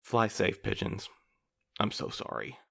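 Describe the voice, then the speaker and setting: A man playing a guarded postmaster in an audio drama, speaking in a measured, formal and evasive way. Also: lowish voice, sing-song, creaky, a bit bright, heavily acted. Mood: apologetic. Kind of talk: audio fiction acting.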